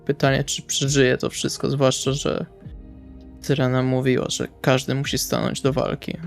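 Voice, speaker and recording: A man playing a brooding, fatalistic male vampire in a role-playing audio drama, with a resigned, deliberate way of talking. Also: mid-range voice, completely flat delivery, gravelly, faint music behind, natural voice. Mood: grim, resolute. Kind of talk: in-character role-play dialogue.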